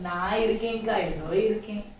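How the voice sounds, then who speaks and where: A woman's voice: medium pitch, normal speed, a little mellow, natural voice. A woman playing a sorrowful, devoted mother in an amateur drama, with a southern Tamil Nadu accent, speaking in tearful laments and tender baby talk. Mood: weary. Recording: echoey room, distant mic, faint noise.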